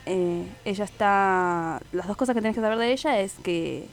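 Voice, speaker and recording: A woman's voice: mid-range voice, normal speed, faint music behind. A woman hosting a radio show, chatting casually with many fillers and self-corrections. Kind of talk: casual radio chat about a TV series.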